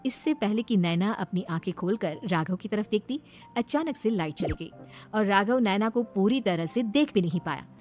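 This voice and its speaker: A woman narrating a cartoon moral story in a steady, plain storytelling manner. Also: medium pitch, normal speed, faint music behind.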